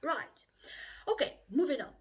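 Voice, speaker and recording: A woman's voice: high-pitched, sing-song, unhurried. A woman from Russia with a Russian accent, giving a chatty English exam lesson and acting out her students' voices. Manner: chatty, acts out students' voices, frequent laughs. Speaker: IELTS teacher. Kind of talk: casual video lesson.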